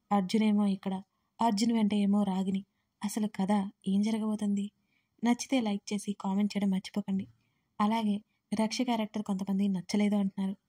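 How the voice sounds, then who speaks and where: A woman narrating an audio story with expressive reading, speaking straight to her listeners. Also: mid-range voice.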